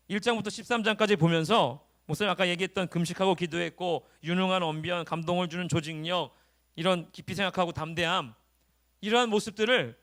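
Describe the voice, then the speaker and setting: A man preaching as youth pastor at a high school Sunday service, exhorting the teens in a lively, casual way. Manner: animated, exhorting, speaks to teens in casual banmal. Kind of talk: sermon to high school students. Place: church service.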